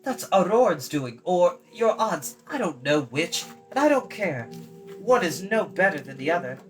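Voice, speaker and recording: A woman voicing an earnest, hot-tempered boy hero from a storybook, urgent and forceful. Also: on the low side, big pitch swings, a little slow, faint music behind, pitched above the performer's own voice, poor audio. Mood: angry. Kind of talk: storybook character voice.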